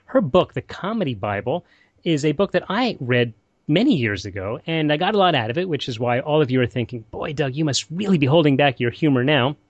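A man's voice: a little high, expressive, brisk, no room sound, dull audio. A man hosting a financial radio show, rambling and poking fun at himself as he introduces a guest. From Israel. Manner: rambling, self-deprecating, stumbles over words.

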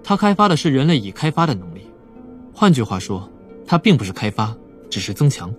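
A man's voice: mid-range voice, very animated, brisk, lightly acted. A man playing a clever, composed young police psychologist in an audiobook drama, probing and explaining. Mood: explanatory. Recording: dry voice over soft music.

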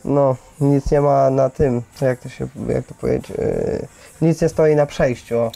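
Very dark, creaky young man. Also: mid-range voice, steady tone, soft background music. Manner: halting, searching for words. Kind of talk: casual, mildly sweary answer.

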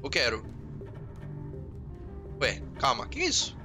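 A man with a Brazilian Portuguese accent giving excitable let's play commentary, swearing often and talking to himself and his viewers. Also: medium pitch, slow pace. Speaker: gamer. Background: loud game music.

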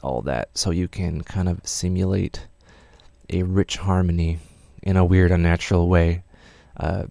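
A man's voice: sits low, steady tone, measured pace, creaky, mellow, no room sound. A man giving a casual, offhand tutorial as a music production tutor, in a loosely explanatory, self-deprecating way. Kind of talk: casual software tutorial narration.

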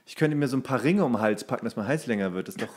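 A man's voice: medium pitch, lively intonation, rapid-fire, husky. A young man, talking casually as co-host of a podcast.

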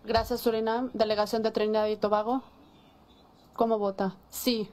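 A woman's voice: on the high side, little pitch movement, normal speed, darkish tone. A woman working as an interpreter at a formal assembly, speaking in a neutral, businesslike manner.

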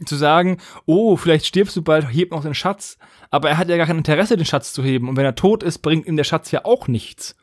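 A man co-hosting a podcast in casual review chat, opinionated and quick to argue a point. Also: a little high, no room sound, studio quality. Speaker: podcast host. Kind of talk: casual review chat about audio dramas.

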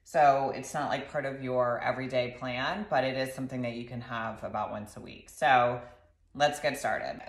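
A woman in her thirties casually walking through a recipe in her home kitchen, chatty and relaxed, filmed by a camera across the counter. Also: rumbling low, moderate pace. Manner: relaxed, chatty instructions with fillers. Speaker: doctor sharing recipes. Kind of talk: casual cooking demonstration. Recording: echoey kitchen, slightly distant.

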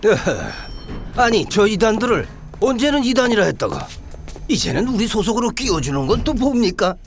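A quarrelsome pastor, very high and swooping, blustering, audio drama. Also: male voice, sing-song, normal speed, soft background music. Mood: indignant. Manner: blustering, confrontational. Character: indignant, quarrelsome male church pastor.

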